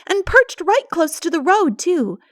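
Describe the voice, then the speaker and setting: A woman voicing a practical, excitable young girl in an animated, emphatic audiobook reading. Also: very high-pitched, measured pace, dry recording, clean studio sound, pitched above the performer's own voice, full character voice. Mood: chatty, eager. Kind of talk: dramatic audiobook character reading.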